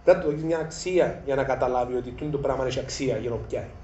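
A man's voice: medium pitch, mellow. A man with a Greek Cypriot accent chatting casually as a discussion host. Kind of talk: casual chat. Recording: echoey, distant mic, muffled, faint noise.

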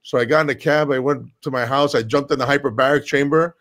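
A man of middle pitch talks in a loose, rambling way, starting over often and leaning on "uh" and "you know." He is blunt and swears without holding back, like a guest spinning a story in a relaxed podcast chat. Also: fast. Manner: many fillers and restarts. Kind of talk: casual chat.

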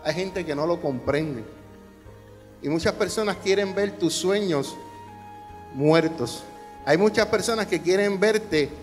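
A man preaching a sermon as pastor, asking the congregation questions and building emphasis. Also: sits high. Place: church hall. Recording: long hall reverb with faint music.

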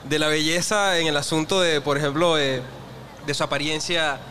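A man's voice: on the high side, fairly even intonation, moderate pace, sharp tone, a little hiss or hum. A man, a guest speaking hesitantly in casual talk. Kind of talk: casual conversation.

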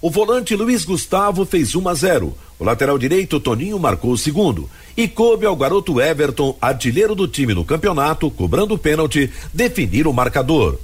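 A Brazilian man narrates scripted sports history for radio. His voice is husky and somewhat high, with animated ups and downs. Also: normal speed, few pauses.

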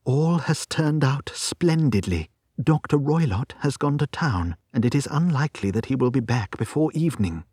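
A man voicing an anxious, eager young gentlewoman in an audiobook story, with an earnest, urgent manner. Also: medium pitch, lively intonation, normal speed, husky, dry recording, clean studio sound, pitched above the performer's own voice. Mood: eager, relieved.

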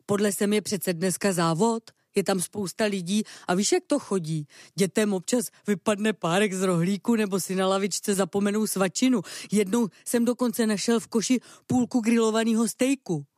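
A woman's voice: mid-range voice, fairly even intonation, few pauses, darkish tone, no room sound, studio quality, natural voice. A woman voicing a cheerful, greedy male dog who chats and boasts in a children's storybook reading. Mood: chatty. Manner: chatty, boastful.

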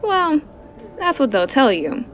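Female smuggler, actress: sly, dismissive, sarcastic, slow delivery, higher register, audio drama. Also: big pitch swings, slight background noise, exaggerated voice. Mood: smug, sly. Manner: sarcastic, offhand.

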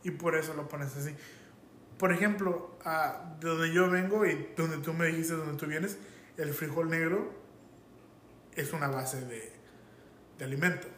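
A man's voice: fairly high pitch, unhurried, long pauses, echoey room, slight background noise. A man from Mexico with a Mexican Spanish accent, telling anecdotes animatedly in casual podcast chat. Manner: animated storyteller.

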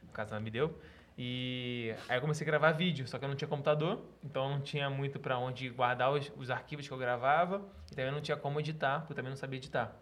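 A man chatting casually as a podcast guest, telling stories in an animated, joking way. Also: mid-range voice. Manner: fast, animated storytelling with laughs.

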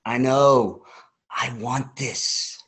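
A man's voice: mid-range voice, fairly even intonation, extremely slow, fairly bright tone. A playful forty-year-old charmer with a mid-range voice. He answers questions with dry, teasing humor. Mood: earnest. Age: 40s. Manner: wry, teasing, lightly joking. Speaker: interviewee.

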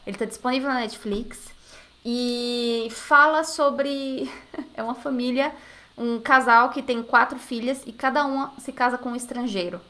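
A chatty woman from Brazil with a Brazilian Portuguese accent, her voice sitting a little higher than most. She talks expressively and often restarts her sentences as she goes, in a relaxed podcast chat. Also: normal speed. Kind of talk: casual conversation.

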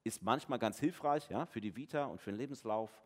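A pastor giving a family service sermon in a conversational, lively way, acting out voices in the dialogue he retells. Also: medium pitch, brisk. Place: church. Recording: long church reverb.

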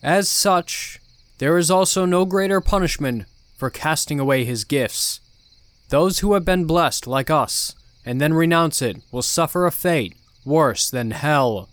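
A man voicing a charismatic male cult prophet in his forties, preaching slowly with an authoritative yet kind tone. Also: fairly high pitch, fairly bright tone, smooth, no echo, voice pushed up. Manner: slow, authoritative sermon-like delivery.

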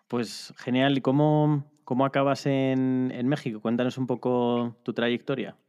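A man's voice: mid-range voice, level tone, measured pace, darkish tone, clear, resonant tone, lo-fi sound. A man hosting a podcast interview, giving short friendly prompts. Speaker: podcast host. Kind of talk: conversational interview.

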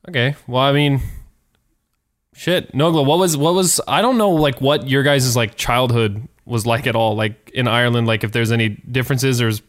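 A man's voice: mid-range voice, moderate pace. Chatty American man from Indiana. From Indiana, USA. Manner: chatty, profane, thinks aloud while looking things up. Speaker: podcast co-host. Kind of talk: casual chat.

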